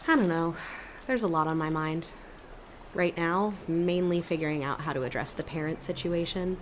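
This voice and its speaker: An actress as a young woman cryptid in an audio drama, on the low side in pitch. She is anxious yet wry and teasing, speaking naturally over faint ambient noise. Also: normal speed, close to an everyday voice. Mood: worried. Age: young adult. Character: worried young woman cryptid with emotion-reading power, wryly teasing.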